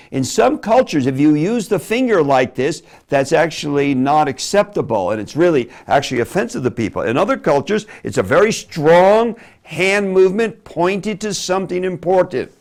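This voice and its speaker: A man giving a teaching lecture on preaching delivery, animated and demonstrative, dropping from loud emphasis to hushed asides. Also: on the high side. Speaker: Bible teacher.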